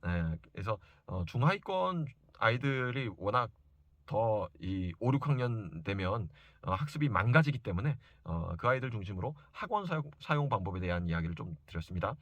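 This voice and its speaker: A man's voice: lowish voice, big pitch swings, normal speed, no echo, muffled recording. A man giving an informal educational talk to parents as a study coach, speaking emphatically and insistently and repeating key points for stress. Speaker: private reading and study coach advising parents.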